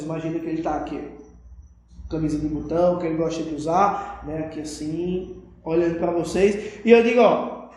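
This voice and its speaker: A woman's voice: lowish voice, dark tone. Echoey Brazilian woman teaching kids. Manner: patient, keeps checking understanding with tag questions. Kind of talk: recorded video lesson for children. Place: classroom with a whiteboard. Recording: very echoey room.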